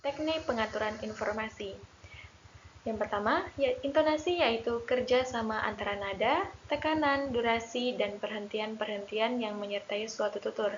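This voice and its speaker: Higher-voiced young woman reading a class talk. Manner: steady, formal reading with Islamic greeting, pauses on citations. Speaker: student presenter. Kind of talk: reading a class presentation from slides. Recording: lo-fi with faint hiss.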